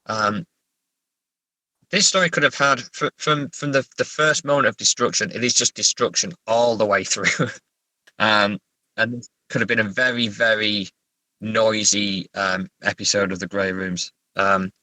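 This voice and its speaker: Bright-voiced man, halting and reflective. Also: lowish voice, steady tone, no echo, low-quality recording. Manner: hesitant, halting, repeats words as he thinks. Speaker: writer, podcast guest. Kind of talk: casual reflective interview talk.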